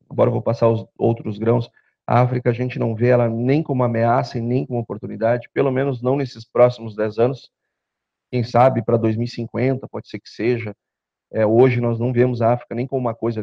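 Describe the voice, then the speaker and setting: A man in his thirties giving an animated conference lecture, speaking into a handheld mic in a meeting room. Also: mid-range voice, gravelly. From southern Brazil. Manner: animated, gestures while presenting slides, rhetorical asides. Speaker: chief economist giving a seminar talk. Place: meeting room with projector screen, indoors. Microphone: handheld mic, filmed by a far camera. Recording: dull lo-fi room recording.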